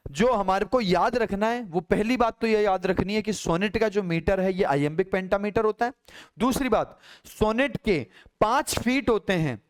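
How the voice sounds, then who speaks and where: A man's voice: high voice, clean tone. A man teaching English poetry for an exam, explaining step by step and often checking that students follow, with Hindi-accented English. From Rajasthan, India. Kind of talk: classroom lecture.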